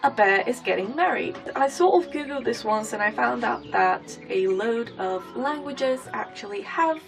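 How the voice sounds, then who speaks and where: High-voiced woman with mixed British-American-Bulgarian accent. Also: animated, normal speed, gravelly, music in the background. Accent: blend of British, American and Bulgarian. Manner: playful, self-deprecating asides. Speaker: vlogger. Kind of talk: casual chatty vlog.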